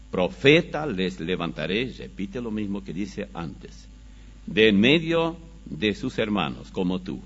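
Male preacher teaching a Bible study, unhurried and emphatic, dull lo-fi sound. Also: lowish voice. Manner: slow, emphatic scripture reading with animated rises. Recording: dull lo-fi recording.

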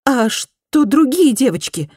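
A woman's voice: high-pitched, big pitch swings, takes it slowly, slightly rough, no room sound, studio quality, pitched above the performer's own voice, full character voice. A woman voicing a guarded young woman who works in a bar and speaks curtly and defensively. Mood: questioning. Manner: curt, sharp, defensive.

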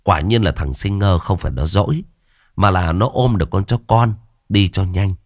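Deep-voiced storyteller. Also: male voice, moderate pace, no room sound, clean studio sound. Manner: lively, expressive storytelling. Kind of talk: horror story narration.

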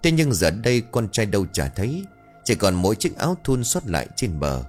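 Male storyteller, low and expressive, faint music behind. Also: fairly quick. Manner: steady, dramatic narration. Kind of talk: dramatic story narration.

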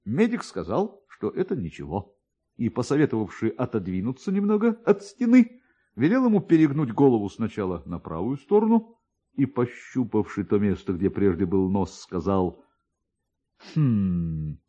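A man narrating a literary story in an expressive style. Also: lowish voice, normal speed, husky, dull audio.

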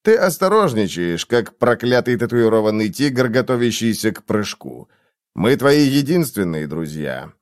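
A man's voice: lowish voice, sing-song, moderate pace, no room sound, studio quality. A male reader voicing a blunt, weary middle-aged man in an audiobook. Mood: gruff.

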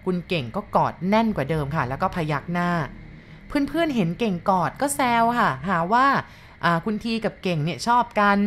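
A woman's voice: on the low side, lively intonation, fairly quick, fairly bright tone, a little hiss or hum. A woman narrating a ghost story to her listeners in a polite, storytelling manner.

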